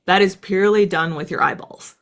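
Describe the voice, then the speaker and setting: A woman in her thirties from the United States talks through a story in an interview. She speaks at a middle pitch, quick and animated, and drops in plenty of casual fillers as she explains. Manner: fast, animated, lots of "like" fillers. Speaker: guest, former fighter pilot.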